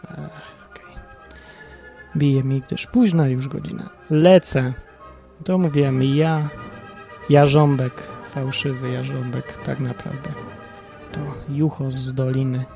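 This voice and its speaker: Mężczyzna, prowadzący podcast, chrapliwy głos, luźny monolog, cicha muzyka w tle. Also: male voice, mid-range voice, steady tone, slow pace, vocal fry, dark tone, soft background music. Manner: rambling, self-ironic. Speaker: podcast host.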